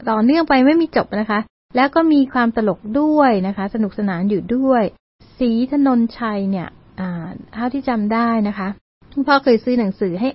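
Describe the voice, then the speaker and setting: A woman's voice: fairly high pitch, slightly rough. A woman from Thailand presenting an educational community radio talk, speaking politely with frequent particles and English terms mixed in. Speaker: university learning centre presenter. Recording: dull lo-fi radio recording.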